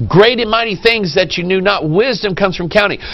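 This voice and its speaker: Amid noticeable background noise and audible room echo, a man with a high pitch speaks at a fairly quick pace with ordinary pitch variation. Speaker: pastor. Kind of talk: sermon.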